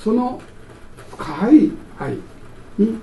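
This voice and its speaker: A man's voice: high voice, very slow, a little hiss or hum. A middle-aged man preaching a sermon as pastor, telling stories animatedly and acting out scenes. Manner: animated storytelling, acts out scenes. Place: church sanctuary. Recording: echoey church hall from far off.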